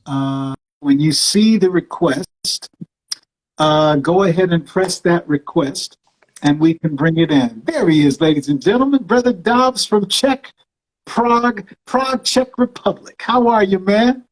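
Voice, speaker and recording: A man's voice: high voice, unhurried, reverberant, rough recording. A man hosting a live video-call interview, effusive, calling his guest "brother" and "man". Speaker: show host.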